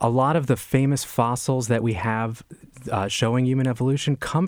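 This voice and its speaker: A man's plain, everyday voice at a moderate pace, with ordinary pitch variation. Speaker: geologist. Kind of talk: interview. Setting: studio.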